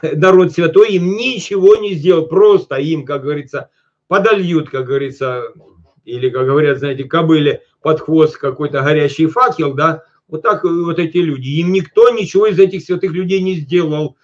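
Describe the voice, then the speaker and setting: A male preacher with a fairly high voice, caught on a dull, lo-fi recording. He reads scripture slowly, stops to speak straight to his listeners, then rushes on in quick everyday asides. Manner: often addresses listeners directly. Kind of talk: sermon.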